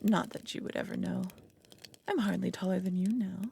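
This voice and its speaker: A woman's voice: mid-range voice, normal speed, vocal fry, dark tone, a little hiss or hum. A woman playing an ancient, proud and lonely dragon, speaking solemnly in a dramatic audio roleplay. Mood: tender, sorrowful. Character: ancient lonely female dragon, proud, brooding, reluctant foster mother.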